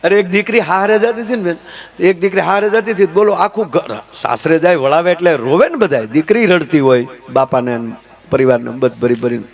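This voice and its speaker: Higher-voiced man telling folk comedy stories. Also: brisk. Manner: lively storytelling, jumps into character voices and chants. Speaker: stage comedian. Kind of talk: Gujarati folk comedy storytelling.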